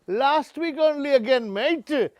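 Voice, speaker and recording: A man's voice: very high voice, expressive, slow, no echo, clean studio sound, voice pushed up, full character voice. A man voicing a brash, cheeky British Punjabi man with a mock British Punjabi accent, bantering in slang. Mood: cocky. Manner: cocky slangy banter with "innit" and "mate". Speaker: comedy interview guest. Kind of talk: sketch comedy.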